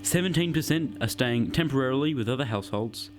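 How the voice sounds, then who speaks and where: A man narrating a script in a measured, even reading. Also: mid-range voice, over music.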